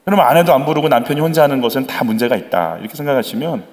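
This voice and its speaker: A man's voice: mid-range voice, racing. A man preaching a sermon as the pastor of a church, asking the congregation questions and acting out voices. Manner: animated, acts out quoted voices; conversational, asks the congregation questions.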